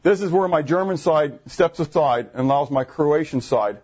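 A man preaching a sermon to his congregation, animated, asking the room questions, with jumps in pitch when he gets excited. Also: normal speed, husky, dull audio. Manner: jumpy pitch, bursts high when excited. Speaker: pastor. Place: church assembly room.

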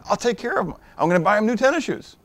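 Speaking high and very animated, a middle-aged pastor preaches at a rapid-fire clip. He keeps the sermon conversational, quizzing the congregation and swinging between quiet asides and forceful emphasis.

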